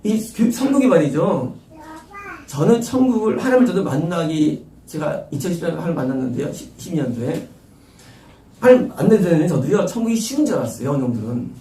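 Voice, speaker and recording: A man's voice: high voice, warm tone, slight background noise. A middle-aged man preaching a sermon as pastor, emphatic and repetitive, firing off rhetorical questions. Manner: emphatic, rhetorical questions, repeats key phrases. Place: church sanctuary. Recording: roomy echo, distant mic.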